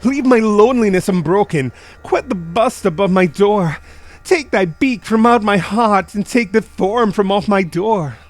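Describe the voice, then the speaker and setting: A man's voice: high-pitched, a little slow, voice pushed up. A man playing a grieving, tormented man in a theatrical, anguished dramatic reading of gothic poetry. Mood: shrieking fury. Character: grieving man tormented by terror, pleading and shrieking.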